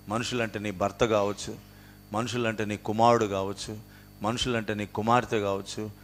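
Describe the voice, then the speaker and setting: Fervent Telugu preacher man. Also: a little hiss or hum. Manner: swings between low quiet passages and raised emphatic outbursts; repeats scripture references and rhetorical questions. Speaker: pastor. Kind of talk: sermon.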